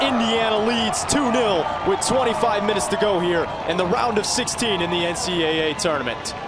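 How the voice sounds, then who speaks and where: A young American man doing live play-by-play sports commentary, projecting with urgency. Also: on the high side. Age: young adult, about 20. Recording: loud crowd noise from the arena. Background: sports crowd and game ambience.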